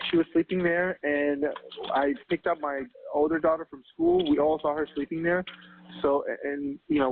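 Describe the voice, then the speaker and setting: A man making an emergency call over the phone, halting and flustered, repeating himself as he explains. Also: on the high side, vocal fry. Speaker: emergency caller, father. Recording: noisy, tinny phone line recording.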